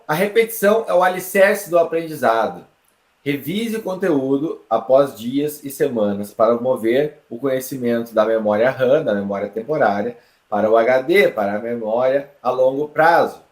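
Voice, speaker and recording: A man with a Brazilian Portuguese accent teaching an online lesson in a lively, explanatory way, often checking in with the learner. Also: medium pitch, moderate pace, roomy sound. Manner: lively, explanatory, with frequent tag questions. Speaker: English teacher.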